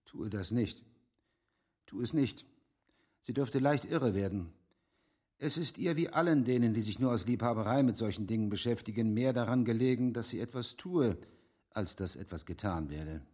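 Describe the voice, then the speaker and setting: Husky, low-voiced practical captain. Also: male voice, moderate pace, dark tone. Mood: candid, confidential. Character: measured, practical army captain, candid advisor. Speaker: actor in a radio drama. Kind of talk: German radio play acting.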